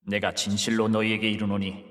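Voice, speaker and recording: An actor in an audio Bible drama playing a calm, solemn grown man who speaks with authority, in a measured, scriptural way. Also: fairly low pitch, big-room sound, natural voice.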